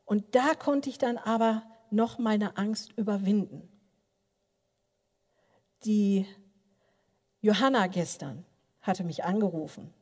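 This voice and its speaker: Older woman, lay preacher in a church, lively storyteller with lots of filler sounds, long hall reverb. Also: medium pitch, takes it slowly, pauses often. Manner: animated storytelling, many filler sounds, addresses listeners directly. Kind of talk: sermon with personal stories.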